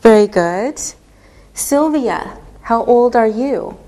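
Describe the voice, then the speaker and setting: Woman English teacher, patient and deliberate, speaking at an extremely slow pace. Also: fairly high pitch, lively intonation, mellow. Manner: patient, deliberate, spells things out step by step. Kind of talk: slow, clearly enunciated classroom teaching.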